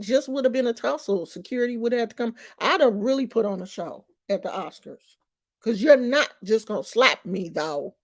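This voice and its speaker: Slow-talking emphatic woman in her fifties. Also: fairly high pitch. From Oakland, California. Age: 50s. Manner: emphatic, streetwise storytelling. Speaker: vlogger. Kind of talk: casual commentary vlog.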